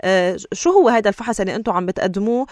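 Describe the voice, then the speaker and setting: Fast Lebanese woman interviewer. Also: medium pitch, animated, a little mellow, no echo, studio quality. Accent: Lebanese Levantine Arabic. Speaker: host, interviewer. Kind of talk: broadcast interview questioning.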